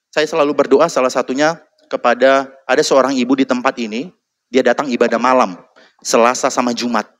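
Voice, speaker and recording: Animated male preacher. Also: mid-range voice. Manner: animated, exhorting, calls for amen. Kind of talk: sermon.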